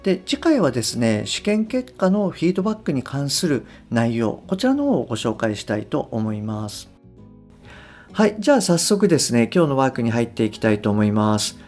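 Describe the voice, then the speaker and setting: A man hosting a business English podcast, talking politely and reading the lesson lines slowly. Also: medium pitch, sing-song, a little mellow, faint music behind. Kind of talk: podcast monologue.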